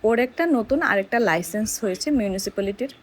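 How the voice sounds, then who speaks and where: A woman's voice: fairly high pitch, lively intonation, a little fast. A woman chatting informally to viewers and her companion on a village vlog, often directing others around. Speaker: vlogger and host. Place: outdoors in a village.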